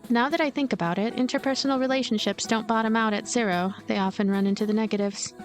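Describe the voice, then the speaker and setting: An awkward, lonely young ghost girl telling her own story in a visual novel, read by a woman. Her voice is fairly high, anxious and hesitant, turned inward, with music underneath. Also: fairly even intonation, fast talker, natural voice. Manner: hesitant, introspective.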